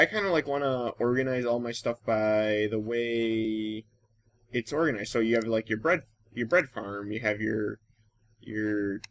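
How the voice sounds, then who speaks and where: An American man from Wisconsin giving casual Let's Play commentary, rambling and thinking aloud as he goes. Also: fairly low pitch. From Wisconsin, United States. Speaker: gaming YouTuber and host.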